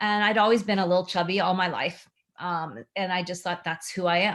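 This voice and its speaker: A woman speaks with fairly even intonation at a medium pitch. She has a plain, everyday voice. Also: fairly quick pace. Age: 60s. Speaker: teacher trainer and coaching client. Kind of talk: interview testimony.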